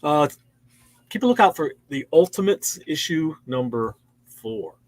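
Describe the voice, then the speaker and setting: A man's voice: a little high, expressive, unhurried, darkish tone. A man in his sixties hosting a casual show-and-tell of new comics in a store, chatty and easily impressed. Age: 60s. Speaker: comic shop host.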